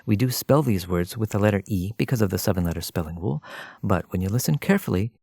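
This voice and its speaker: A man narrating a scripted language lesson as a teacher, explaining in a measured way and addressing the listener directly. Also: lowish voice, lively intonation, gravelly, mellow, no echo.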